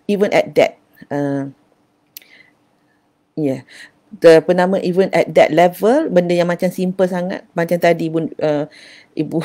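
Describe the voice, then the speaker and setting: Low-voiced older woman. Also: warm tone. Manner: affectionate, addresses listeners as dear. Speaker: parenting speaker. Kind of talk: casual parenting talk.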